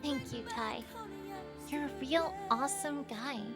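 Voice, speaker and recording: A woman playing a sweet, shy, gentle young female character in a fan fiction audio drama, speaking earnestly. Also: sits high, slow, over music. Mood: grateful.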